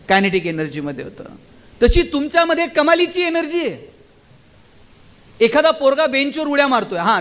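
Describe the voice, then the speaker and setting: A man's voice: very high voice, fairly bright tone. A man giving a passionate stage speech to students and teachers at a school gathering. He keeps asking the audience rhetorical questions. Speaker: motivational speaker.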